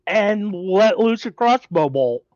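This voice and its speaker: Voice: mid-range voice, expressive, darkish tone, no room sound. A player in a tabletop game who speaks in short, hesitant bits. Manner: slow, hesitant, few words. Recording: muffled lo-fi mic.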